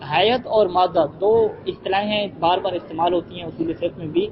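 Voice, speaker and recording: A male teacher lecturing a class, explaining an Arabic text line by line, answering his own questions and reading the Arabic slowly. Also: sits high, a crowd in the background. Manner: asks rhetorical questions and answers them, reads Arabic phrases slowly. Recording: muffled with heavy background noise.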